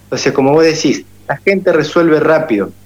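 A man's voice with fairly even intonation against noticeable background noise. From Argentina, Entre Ríos (Paraná). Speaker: political activist and therapist. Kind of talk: radio interview.

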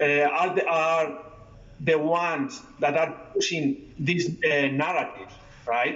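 A high-pitched man with a Spanish accent at a very slow pace, long, frequent pauses and audible room echo. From Spain, Madrid. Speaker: anthropologist, PhD student. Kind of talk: interview. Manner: halting.

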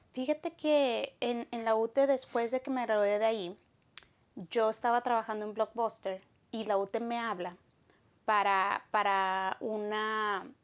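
In a very clean recording with a silent background, a woman speaks fairly slowly in an ordinary speaking voice, fairly high in pitch, with fairly even intonation. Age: 30s. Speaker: photographer. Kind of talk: casual interview chat.

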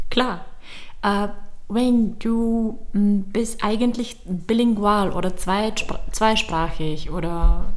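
Over noticeable background noise and audible room echo, a woman with a Czech accent talks very slowly at a fairly high pitch. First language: Czech (speaking German). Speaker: podcast host, German teacher. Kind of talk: casual interview. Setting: studio, table microphone.

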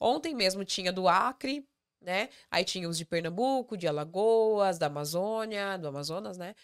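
An unremarkable speaking voice moves at a moderate pace with lively intonation, on a very clean recording with a silent background. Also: woman, medium pitch for a woman. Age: 30s. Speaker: author. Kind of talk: casual chat.

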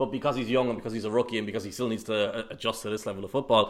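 Recorded very cleanly against a silent background, a man talks at a very fast pace. His medium pitch stays monotone and flat. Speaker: podcast host. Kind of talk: casual banter about football and movies.

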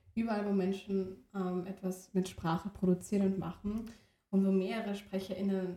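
Somewhat breathy woman's voice with a dark, mellow tone, a monotone, flat intonation and a moderate pace. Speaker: podcast co-host. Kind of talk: casual discussion.

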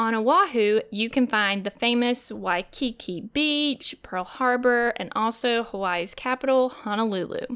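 A woman with an American accent, an unremarkable speaking voice, fairly high pitch and ordinary pitch variation, fairly slow pace with hardly any pauses. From North Carolina. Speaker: true crime podcast host. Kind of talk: true crime narration.

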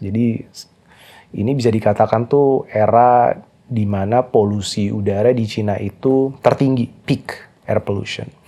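Speech unfolds at a very slow pace. A dark, mellow tone carries ordinary pitch variation. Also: man. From Jakarta, Indonesia. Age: 30s. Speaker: startup CEO. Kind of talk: interview conversation.

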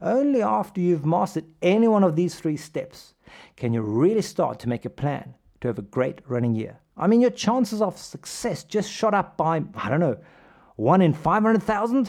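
The speaker moves at a moderate pace. The pitch swings very widely. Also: man, high pitch for a man. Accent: South African. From South Africa. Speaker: running podcast host and coach. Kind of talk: podcast monologue.

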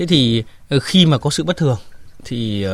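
A man's somewhat breathy voice at medium pitch, lively intonation and a moderate pace. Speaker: doctor. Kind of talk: radio call-in advice. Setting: radio studio.

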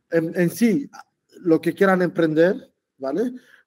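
A man with a Romanian accent speaks at a very slow pace in a high pitch, with ordinary pitch variation. His tone is dark and mellow, and the sound is dry and close with no echo. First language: Romanian (speaking Spanish). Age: 30s. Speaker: entrepreneur. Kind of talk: interview. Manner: halting.

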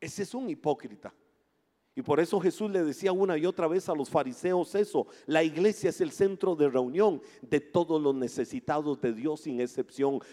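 Lively intonation in a Costa Rican accent, a dark, mellow tone and a moderate pace. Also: man, fairly high pitch for a man. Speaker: pastor. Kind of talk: sermon. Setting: church.

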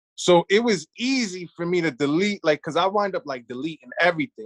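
In an American accent, a man talks at a fairly quick pace with lively intonation in an unremarkable speaking voice, in a dry, close sound with no echo. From New York. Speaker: former radio host. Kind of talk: casual chat.

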